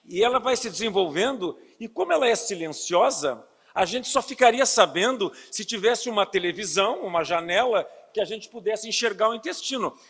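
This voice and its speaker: A man's voice: high voice, lively intonation, fairly quick, fairly bright tone, breathy edge. A man in his sixties from Brazil with a Southern Brazilian accent, giving an earnest public health lecture as a physician and explaining with rhetorical questions. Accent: Southern Brazilian Portuguese. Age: 60s. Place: lecture hall. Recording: hall reverb.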